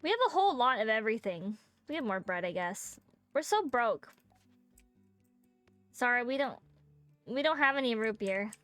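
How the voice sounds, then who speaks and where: Casting: a playful woman game streamer, high voice, dry close mic, faint music behind. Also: lively intonation, normal speed, long pauses, a bit bright, no echo. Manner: joking, rambling, many fillers. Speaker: VTuber streamer. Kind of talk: casual game-stream chat.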